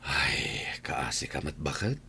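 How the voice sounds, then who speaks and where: A man's voice: a bass voice, sing-song, slow, bright, forceful tone, husky, dry recording, heavily acted. A man voicing a father-in-law in an audio drama, reasoning and consoling. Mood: counselling. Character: older man, the father-in-law, advising calmly.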